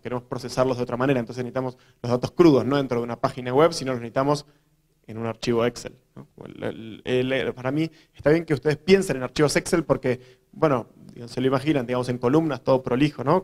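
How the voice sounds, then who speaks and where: A man with an Argentine accent, a programmer giving a relaxed, conversational talk to journalists, filling his explanations with fillers and restarts. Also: mid-range voice. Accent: Argentine Spanish. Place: university event hall.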